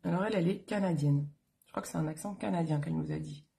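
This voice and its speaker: A woman's voice: low-pitched, fast, gravelly, dark tone. A woman chatting casually on a live stream while doing her makeup, rambling with many fillers and self-corrections. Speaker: beauty vlogger on a live stream.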